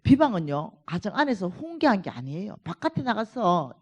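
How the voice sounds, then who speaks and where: A woman's voice: mid-range voice, very animated, normal speed, husky, highs cut off. A woman preaching at a church revival meeting, reading scripture dramatically and stressing words hard. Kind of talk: sermon.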